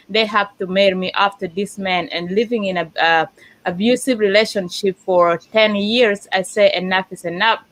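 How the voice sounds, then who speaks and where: Guest: woman from South Sudan, earnest, unhurried storyteller. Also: medium pitch, fairly bright tone, low-quality recording. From South Sudan, raised in Uganda. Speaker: summit speaker, guest. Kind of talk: casual interview.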